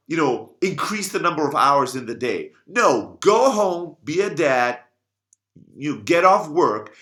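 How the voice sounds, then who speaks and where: Man, slightly higher voice, blunt motivational speaker answering audience questions, swears freely, roomy echo. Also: sharp tone. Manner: blunt, emphatic motivational talk with frequent swearing. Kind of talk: casual solo Q&A video monologue. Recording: echoey room.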